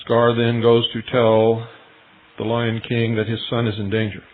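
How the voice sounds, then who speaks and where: A man's voice: medium pitch, monotone, unhurried. A male radio host giving an earnest, insistent retelling in a talk monologue. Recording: tinny shortwave radio broadcast.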